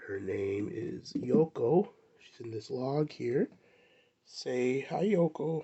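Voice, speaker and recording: A man with a fairly high, somewhat breathy voice speaks at a very slow pace, with very wide pitch swings and big swings in loudness. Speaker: vlogger. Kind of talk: casual rant. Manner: casual, filler-heavy.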